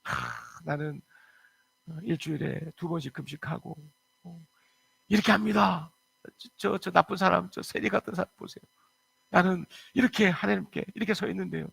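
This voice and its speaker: A male pastor voicing a self-righteous priest who boasts in prayer and scorns a sinner, in a gravelly voice. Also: high-pitched, normal speed, fairly bright tone, no room sound, voice pushed up, exaggerated voice, rough recording. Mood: smug.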